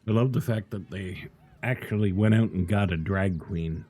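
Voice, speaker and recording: Low, mellow middle-aged male gamer. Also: moderate pace, husky. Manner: thinking aloud, reading item names. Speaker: gamer playing and commenting. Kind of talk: casual gameplay commentary.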